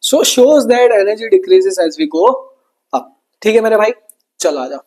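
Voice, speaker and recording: A man's voice: very high voice, huge pitch swings, takes it slowly, creaky, a little mellow. Chatty Indian male science teacher. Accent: Indian English. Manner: chatty, repetitive, calls students brother. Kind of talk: online exam-prep lesson.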